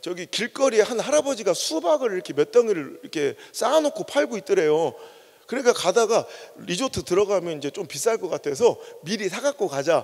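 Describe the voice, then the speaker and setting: Speaking at a fairly quick pace, a man uses a high pitch, an animated tone and very wide pitch swings. Noticeable background noise runs underneath. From Chungcheong, South Korea. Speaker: pastor. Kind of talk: sermon. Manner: fast.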